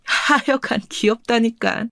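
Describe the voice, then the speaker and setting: A woman voicing a calm, confident and teasing wealthy wife in a dramatized radio story. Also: on the high side, takes it slowly, gravelly, no echo, studio quality, full character voice. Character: rich, self-assured young wife.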